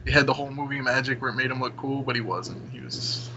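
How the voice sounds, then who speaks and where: A man's voice: medium pitch, fast. A man talking casually as a podcast panelist, blunt and irreverent, with some swearing. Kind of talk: casual chat. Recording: dull lo-fi voice chat, noisy.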